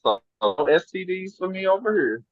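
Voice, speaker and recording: Male guest, slightly higher voice, relaxed and jokey, dry and muffled sound. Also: no room sound. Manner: relaxed, joking, drawn-out phrases. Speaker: podcast guest. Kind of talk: casual interview answers.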